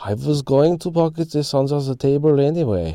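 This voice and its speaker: Putting on a robotic character voice, a man talks at a fairly high pitch and a moderate pace. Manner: robotic monotone.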